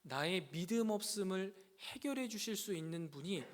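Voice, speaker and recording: A man preaching a sermon to young adults, earnest and full of rhetorical questions, building louder on key points. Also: sits high, animated, normal speed. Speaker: pastor. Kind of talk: sermon to a youth congregation. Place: church sanctuary. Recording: church hall reverb.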